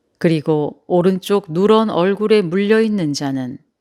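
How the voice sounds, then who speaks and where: A woman with a medium pitch speaks at a very slow pace in a calm, soothing tone with lively intonation, on a very clean recording with a silent background. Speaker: audiobook narrator. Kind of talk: bedtime audiobook reading of a novel.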